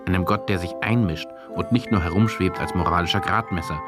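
A man's voice: sits low, a little fast. A man narrating a scripted radio play as its journalist narrator. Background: music.

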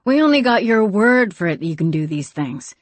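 A blunt frontier gunslinger with rough, Western turns of phrase, voiced by a woman narrator. Her speech is fierce and direct. The sound is close and dry. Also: mid-range voice, very animated, a little fast, no echo.

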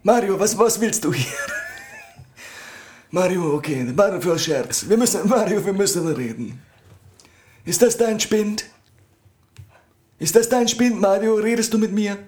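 A theatrical, smooth middle-aged football coach, played by a man, coaxing his player in drawn-out tones. The voice sits high and carries. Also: wildly swooping pitch, a little mellow, heavily acted.

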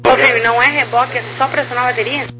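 A woman's voice: high voice, fairly even intonation, rapid-fire. A woman with a Brazilian accent working as an air traffic controller, speaking clipped phraseology over a crackly, military-sounding two-way radio. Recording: crackly noisy aviation radio with hum.

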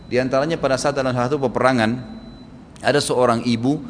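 Animated preacher in echoing hall. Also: male voice, mid-range voice, a little fast, a little hiss or hum. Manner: animated storyteller acting out dialogue. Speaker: Islamic preacher. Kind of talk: sermon storytelling. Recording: long hall reverb, faint ambience.

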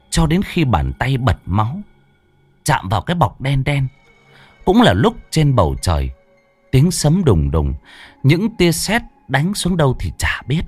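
A man narrating a ghost story in a slow, dramatic, hushed telling. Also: medium pitch, wildly swooping pitch, husky, dry recording. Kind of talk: scripted horror story narration. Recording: dry close voice with faint music.

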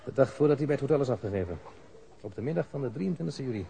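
An actor playing a courteous, evasive police official in a radio play, speaking in a measured, officious way. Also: male voice, mid-range voice, lively intonation, creaky, mellow, a little hiss or hum. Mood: guarded, officious. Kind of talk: Dutch radio play acting.

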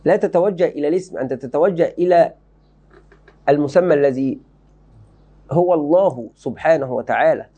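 A man's voice: on the high side, a little fast, pauses often, mellow, slightly rough, muffled recording. A man giving a religious lesson, explaining a book to students emphatically, repeating key phrases and checking they follow. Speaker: Islamic teacher.

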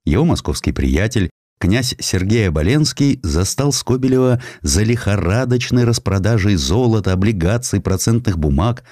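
A man reading historical prose as a dramatic scripted narration, in expressive, measured storytelling. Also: fairly low pitch, no room sound, studio quality. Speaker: audiobook narrator.

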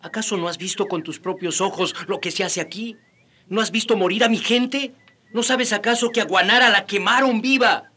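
A man's voice: high-pitched, normal speed, bright, forceful tone. An actor playing a fiery, indignant indigenous rebel in a radio drama, challenging his friend in colloquial speech. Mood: anguished anger. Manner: challenging, rhetorical questioning, colloquial.

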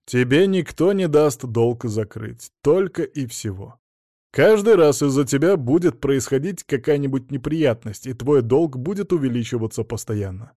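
A man's voice: medium pitch, expressive, normal speed, warm tone, dry recording, close to an everyday voice. Middle-aged male lawyer read by a man, wry and blunt, a slightly raised voice, dry studio. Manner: frank, matter-of-fact, faintly mocking.

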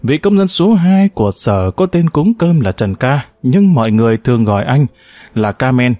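A man narrating a novel as an audiobook in a measured, steady storytelling manner. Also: medium pitch, no echo.

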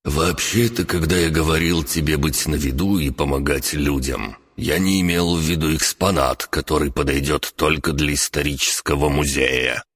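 A man's voice: rumbling low, fairly even intonation, moderate pace, few pauses, fairly bright tone, husky, dry recording, studio quality, heavily acted. A man voicing a blunt, grumbling old male hermit who scolds and snaps.

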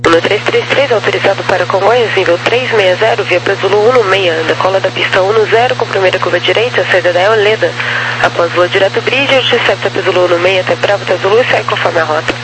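A Brazilian man speaks in rapid, procedural air traffic phraseology. His voice sits high for a man and comes through a radio channel with clear hum and noise behind it. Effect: radio transmission. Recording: noisy humming aviation radio channel.

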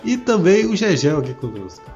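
A man hosting a casual comedy podcast who has the flu, relaxed and laughing as he introduces guests and reads out comments. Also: fairly high pitch, a little fast, lo-fi sound, faint music behind. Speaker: podcast host.

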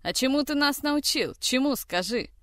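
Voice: high voice, lively intonation, normal speed, a bit bright, smooth, no room sound, studio quality, voice pushed up. A reader voicing a frightened woman who pleads and cries out at her brother in an audiobook. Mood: pleading.

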